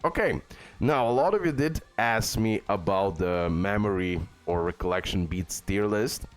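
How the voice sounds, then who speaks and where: A man's voice: lowish voice, normal speed, soft background music. A man hosting a gaming video, giving casual, informal guide commentary peppered with bro and okay.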